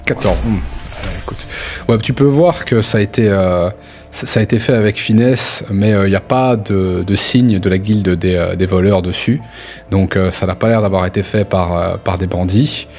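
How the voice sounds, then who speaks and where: A man narrating a tabletop roleplaying game as game master, improvising descriptions haltingly and addressing players directly. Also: low-pitched, a little mellow. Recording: music playing under the voice.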